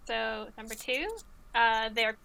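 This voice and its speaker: A woman's voice: fairly high pitch, little pitch movement, takes it slowly, vocal fry, heavy background noise. A woman hosting a casual trivia game, reading out questions and chatting with the players. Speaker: trivia quiz host.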